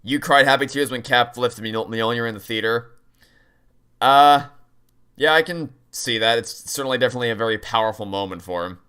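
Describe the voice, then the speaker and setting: A man's voice: mid-range voice, brisk, pushed and bright, clean tone. A man streaming a video game, chatting casually and rambling with dry sarcastic asides. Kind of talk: casual livestream chat and game commentary. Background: game music.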